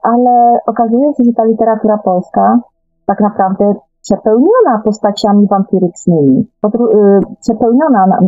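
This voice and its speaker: A woman's voice: mid-range voice, normal speed, warm tone, dry recording, faint music behind. Woman guest on a phone-like line. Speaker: guest author. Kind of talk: unscripted radio discussion. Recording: narrow, tinny phone-like call line.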